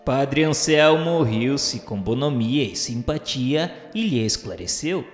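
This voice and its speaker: A man's voice: mid-range voice, animated, takes it slowly. A man narrating a radio drama in a formal, literary storytelling manner. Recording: echoey hall with background music.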